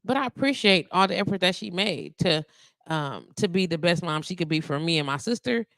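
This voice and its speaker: A woman's voice: lowish voice, expressive, brisk, fairly bright tone, no echo. A woman in her forties hosting a live radio show, talking casually and rambling with asides and laughs into a studio microphone. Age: 40s.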